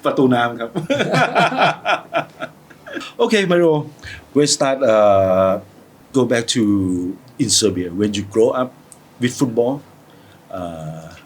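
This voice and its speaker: A man's voice: mid-range voice, expressive, slow, pauses often, breathy edge. A Thai man hosting a casual interview in simple English with a Thai accent, asking short questions and giving brief backchannels. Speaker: talk show host.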